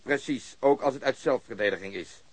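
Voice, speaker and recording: Actor as fast-talking, gruff police commander. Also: male voice, medium pitch, no echo, close to an everyday voice. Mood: commanding. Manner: curt, swearing, sardonic. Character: gruff, blunt, impatient police officer taking command. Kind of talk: radio drama acting.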